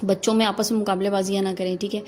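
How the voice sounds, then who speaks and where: Woman, 30s, Pakistani Urdu accent, housewife vlogger, earnest advice, direct to viewers, mid-pitched voice. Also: level tone, racing, a little mellow, slight background noise. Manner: earnest, instructive, addresses viewers directly with frequent rhetorical "na". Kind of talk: advice talk to camera.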